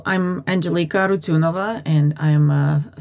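A woman's voice: deep voice, steady tone, normal speed, creaky, darkish tone. A woman from Uzbekistan, a feminist consultant, answering interview questions in an earnest, reflective way with some restarts.

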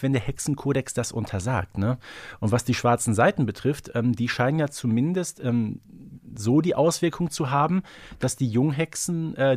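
A man's voice: mid-range voice, darkish tone, no room sound. Man chatting casually, close dry sound. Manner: conversational, often adds tag questions. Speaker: podcast co-host. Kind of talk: casual podcast discussion.

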